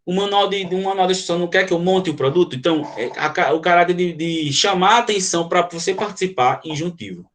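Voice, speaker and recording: A male teacher lecturing to students, often pausing to ask if they follow and explaining with quick examples. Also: high voice, fairly bright tone. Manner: frequent checking questions to students. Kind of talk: classroom lecture.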